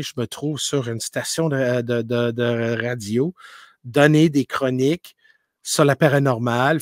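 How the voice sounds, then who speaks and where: A man who grew up speaking English, talking in as a paranormal streamer in a casual interview, telling animated stories full of restarts and English words. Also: medium pitch, dry recording, studio quality. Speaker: paranormal live streamer, guest.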